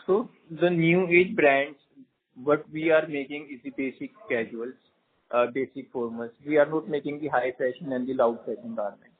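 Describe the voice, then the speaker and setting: A man with an Indian accent answering investor questions as a company executive on an earnings conference call, haltingly repeating phrases. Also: medium pitch, slightly rough. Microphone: conference phone line. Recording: muffled narrow-band conference call.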